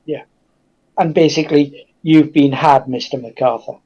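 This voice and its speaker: High-voiced man, a hesitant discussion guest. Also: steady tone, normal speed, dark tone, husky, muffled recording. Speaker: invited guest. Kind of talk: casual history discussion.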